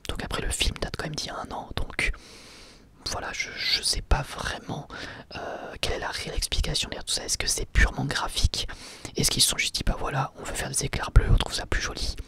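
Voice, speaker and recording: A man's voice: medium pitch, flat delivery, fairly quick, creaky. A man whispering a casual ASMR review of an anime episode, chatty and hesitant, often asking viewers for their opinions. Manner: soft whisper throughout, casual with frequent hesitations.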